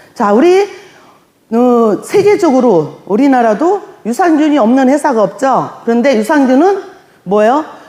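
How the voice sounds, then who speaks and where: A woman with a high pitch speaks at a moderate pace. Her tone is animated. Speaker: network marketing presenter. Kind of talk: sales pitch.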